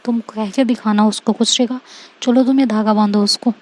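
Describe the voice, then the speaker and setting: A woman's voice: a little high, steady tone, normal speed, a little mellow, close to an everyday voice. Woman voicing a jealous, bossy girlfriend. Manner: demanding, sarcastic.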